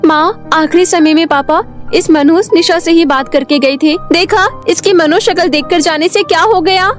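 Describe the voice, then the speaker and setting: A vain, spiteful cartoon teen as a woman puts her on, with a high, whiny and taunting voice. Faint music sits beneath her. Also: normal speed. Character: spoiled, spiteful teenage girl, vain. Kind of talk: storybook cartoon voice acting.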